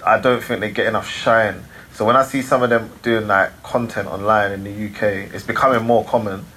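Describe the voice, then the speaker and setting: A man's voice: lowish voice, fairly even intonation, a little fast, sharp tone, a little hiss or hum. A young man hosting a podcast, talking in a laid-back, slangy way full of fillers. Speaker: podcast host. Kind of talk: casual interview chat.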